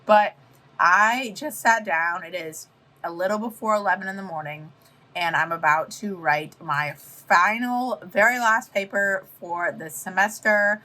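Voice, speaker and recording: A young woman vlogging casually at home, her voice hoarse and partly gone, rambling with lots of fillers. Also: medium pitch, a little slow, sharp tone, rough recording. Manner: rambling, with many fillers and restarts. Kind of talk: casual vlog chat to camera. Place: at home, seated.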